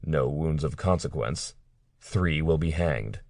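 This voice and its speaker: A man voicing a cold, menacing male captor in an audiobook, speaking quietly and mockingly. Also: rumbling low, takes it slowly, vocal fry, dry recording, studio quality, exaggerated voice. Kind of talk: audiobook character reading.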